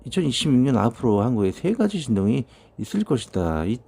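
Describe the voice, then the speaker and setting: A man's voice: mid-range voice, sing-song, fairly quick, vocal fry, dark tone, breathy edge. A man in his fifties preaching a sermon, reading out prophecies and commenting on them in a loose, conversational way with many fillers. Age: 50s. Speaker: pastor.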